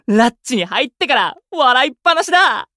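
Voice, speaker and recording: A male actor playing an exuberant, warm-hearted young idol who teases his friends in rough, boyish speech in a Japanese voice drama. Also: very high-pitched, big pitch swings, fairly quick, no room sound, studio quality, full character voice. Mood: affectionate. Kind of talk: Japanese anime-style voice drama acting.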